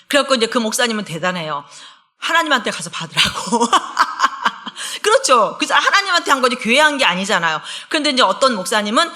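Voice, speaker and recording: A woman's voice: on the high side, very animated, brisk, pushed and bright. A middle-aged woman pastor giving an earnest, conversational sermon in a church. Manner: earnest, conversational preaching with acted quotes. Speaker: associate pastor. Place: church sanctuary.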